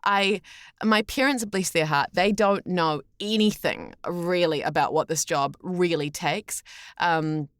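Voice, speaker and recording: A young woman with a New Zealand accent chats on a podcast in a lowish voice. She is open and expressive, often rewording mid-sentence. The sound is very dry, with no room to it. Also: unhurried, dry recording. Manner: candid, expressive, wordy with self-corrections. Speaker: guest, voice actor. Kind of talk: casual podcast conversation.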